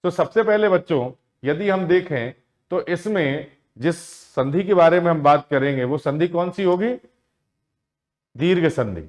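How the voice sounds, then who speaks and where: In a grammar class aimed at exam preparation, a slightly high-voiced man keeps answering the very questions he puts to his students. Key words come out long and drawn-out.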